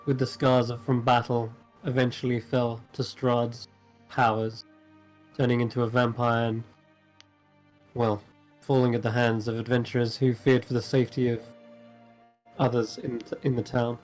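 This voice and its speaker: A man improvising in character as a tabletop game player, speaking in a halting, measured, matter-of-fact way. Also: mid-range voice, little pitch movement, darkish tone. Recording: music playing behind the voice.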